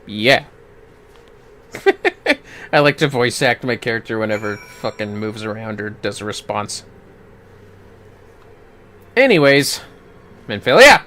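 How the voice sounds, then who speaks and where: A man's voice: on the low side, animated, takes it slowly, pauses often, bright, forceful tone, a little hiss or hum. A man livestreaming a video game, chatting casually with reactive, sweary asides.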